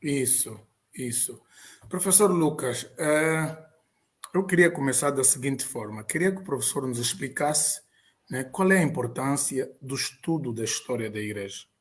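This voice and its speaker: A man with an Angolan Portuguese accent, hosting a live online interview and asking his questions in a measured, deliberate way. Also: medium pitch, lively intonation. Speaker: host.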